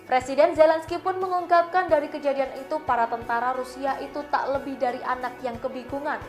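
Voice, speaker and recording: High-pitched Indonesian woman reading news. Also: fairly even intonation, brisk. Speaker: news narrator. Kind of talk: scripted news voice-over narration. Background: faint background music.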